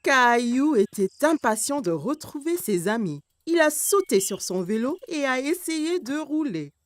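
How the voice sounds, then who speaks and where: Lively, high-voiced woman storyteller. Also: unhurried, no echo, faint music behind. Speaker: narrator. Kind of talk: scripted children's story narration.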